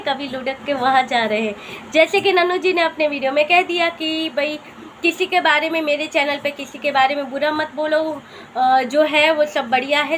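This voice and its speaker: Woman vlogger, high voice, gossipy running commentary, faint noise behind. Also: fairly bright tone. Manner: chatty, gossipy, talks straight to viewers. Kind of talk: casual commentary vlog.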